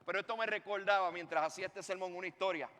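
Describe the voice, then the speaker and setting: A man, a pastor preaching a sermon and telling a story with lively swings in his voice. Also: high-pitched, fast talker, big-room sound. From Puerto Rico.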